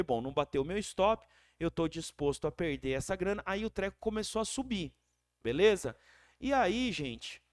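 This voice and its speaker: Chatty Brazilian man, higher voice. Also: no echo, studio quality. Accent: Brazilian Portuguese. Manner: chatty, keeps checking in with the viewer, frequent self-corrections. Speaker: crypto trading analyst. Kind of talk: casual screen-share trading walkthrough.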